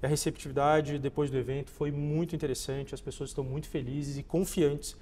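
A man's voice: a little high, little pitch movement, fairly quick, darkish tone. A Brazilian man in his forties giving polished, conversational answers as an interview guest. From Goiás, Brazil. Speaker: interview guest, shopping mall executive. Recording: reverberant space with faint background noise.

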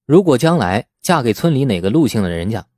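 A man reading a novel as an audiobook narrator, in an expressive storytelling manner. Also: medium pitch, fairly quick, dry recording, studio quality. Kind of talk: scripted dramatic novel narration.

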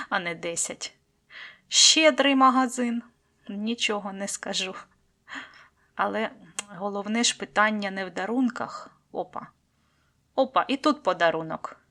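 A woman talking casually as she unboxes seed packets, fond of diminutives, often dropping to a soft whisper. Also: mid-range voice. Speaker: gardening vlogger.

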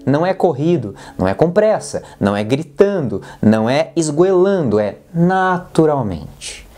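A man's voice: fairly high pitch, big pitch swings, a little slow, warm tone. A man with a Brazilian Portuguese accent teaching a singing lesson, coaching in a direct, playful way and demonstrating sounds. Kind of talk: vocal lesson with exercises.

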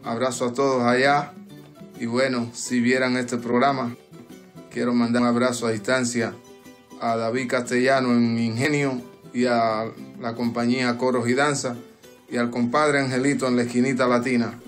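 A man's voice: medium pitch, little pitch movement, normal speed. A man in his fifties with a Cuban Spanish accent, sending greetings over a video call. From Cuba. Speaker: guest improvising poet. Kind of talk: greetings to a show by video link. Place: indoor room with red curtain. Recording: roomy video call, music behind.

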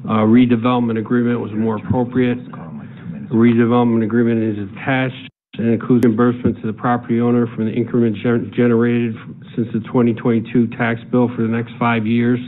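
Monotone man reading a staff report. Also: medium pitch. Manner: flat, measured, reads figures aloud. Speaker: city director presenting a staff report. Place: large city council chamber, indoors. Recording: tinny, phone-like sound with faint room noise.

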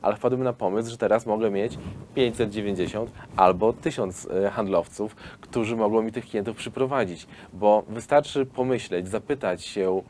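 A man in his thirties, a film studio founder, explains his investment offer in an interview, pausing often with fillers. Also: fairly low pitch, darkish tone, slight background noise. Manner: explanatory, hesitant with frequent fillers. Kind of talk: business interview.

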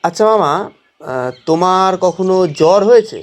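Animated, boastful young man. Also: high voice, moderate pace. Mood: self-important. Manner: theatrical, self-important, muttering to himself. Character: brash, boastful young man playing doctor. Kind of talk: comic Bengali audio drama acting.

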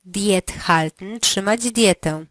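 Slow, clear teaching woman. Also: medium pitch, a bit bright, no echo. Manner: slow, carefully articulated prompting. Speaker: language teacher. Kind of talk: language lesson drills.

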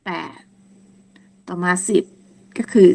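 Woman teaching very slowly, repeating words. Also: slight background noise. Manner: slow, patient, repeats each word several times. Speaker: language teacher. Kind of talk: teaching German numbers in Thai.

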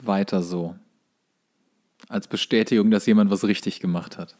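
A man's voice: fairly low pitch, fairly even intonation, moderate pace, a little mellow. Wry man in casual banter. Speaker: podcast co-host. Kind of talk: casual comedic banter, quizzing his co-host.

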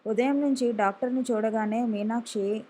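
Woman narrating an audiobook story, fairly high voice, acts out the characters' lines. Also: steady tone, moderate pace, dark tone. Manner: voices characters' emotional pleas within narration. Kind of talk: reading a story aloud.

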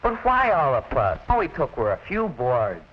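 A nervous, sheepish teenage boy in a 1940s film, hesitating as he speaks. His pitch rises and falls freely, and the sound is dull. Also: wildly swooping pitch, moderate pace, slight background noise.

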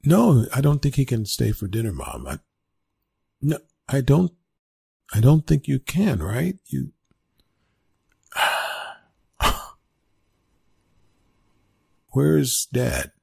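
A man playing a flustered, awkward young college bully in a one-sided ASMR roleplay, stammering and evasive, with a husky, gravelly voice. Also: medium pitch, sing-song, slow pace, pauses often, a little mellow, dry recording, clean studio sound, exaggerated voice. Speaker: roleplay audio performer.

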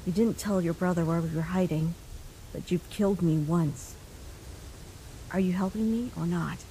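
A woman voicing a quiet, guarded young human girl with terse replies in a comic dub. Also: lowish voice, normal speed, a little hiss or hum, lightly acted, rough recording.

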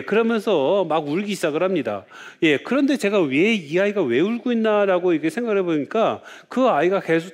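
Man, priest, lecture, storytelling, rhetorical questions, somewhat high, very animated pitch. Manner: lively storytelling, frequent "yes" fillers, rhetorical questions. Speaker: Catholic priest giving a lecture.

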